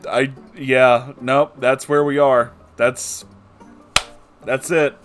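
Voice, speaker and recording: A man's voice: medium pitch, little pitch movement, very slow. A man hosting a bad-story reading show, talking casually to viewers in a theatrical, wry, self-deprecating way with some swearing. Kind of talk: casual rambling talk to viewers. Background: plucked guitar music.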